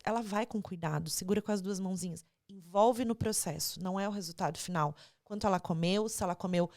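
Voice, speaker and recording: A woman's voice: fairly low pitch, fast, no room sound, clean studio sound. A woman with a Brazilian Portuguese accent hosting an interview podcast, talking casually about her daughter and often tagging her sentences with "né" and "sabe". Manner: chatty, animated, tags sentences with "né" and "sabe". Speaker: podcast host; mother of a young daughter.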